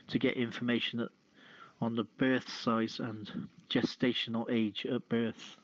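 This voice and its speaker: A man's voice: medium pitch, no echo, lo-fi sound. A man hosting a podcast, reading news aloud and adding casual remarks, stumbling over the odd word. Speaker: podcast host.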